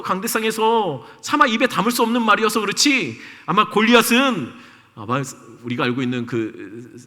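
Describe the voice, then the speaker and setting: Male pastor, sermon, animated storytelling, asks the congregation questions, swooping pitch, long hall reverb. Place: church sanctuary.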